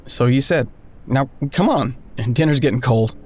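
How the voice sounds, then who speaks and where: An actor playing a wry, awkward man who narrates his own story in an audio drama with self-deprecating, deadpan, wordy humor. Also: medium pitch, normal speed, slightly rough, lightly acted. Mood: casual, awkward. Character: wry, awkward smoker man narrating a reunion with old friend. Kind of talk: first-person scripted narration and dialogue in audio drama.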